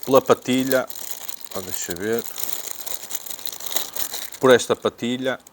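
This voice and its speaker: A man's voice: mid-range voice, slow, a little hiss or hum. A man with a European Portuguese accent presenting an unboxing in casual, unscripted talk, hesitating and repeating himself as he thinks aloud. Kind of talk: casual unscripted product review.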